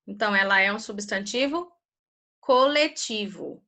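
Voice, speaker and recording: A woman's voice: a little high, a little slow, sharp tone. A woman teaching a primary school class on a video call, patiently drilling grammar terms with her students.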